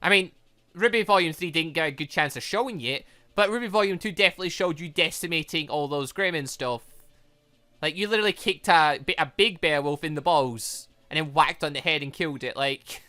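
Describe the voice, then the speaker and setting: A man's voice: on the high side, a little fast, sharp tone. A man doing let's-play commentary on a game, rambling and thinking aloud as he goes. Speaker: gaming video host.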